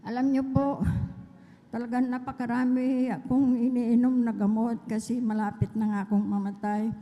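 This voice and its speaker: Middle-aged woman from the Philippines, church testimony; earnest storyteller who quotes others and adds praise, dark mellow tone, big hall reverb. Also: a little high, flat delivery, moderate pace, dull audio. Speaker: church member giving testimony. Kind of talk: personal religious testimony.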